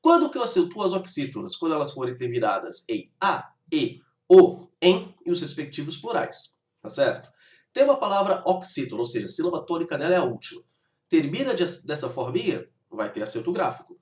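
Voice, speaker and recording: A man's voice: fairly high pitch, big pitch swings, brisk, reverberant. A man teaching a grammar lesson, explaining rules step by step and often checking in with his students. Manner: explanatory, keeps checking in with "tá bom?".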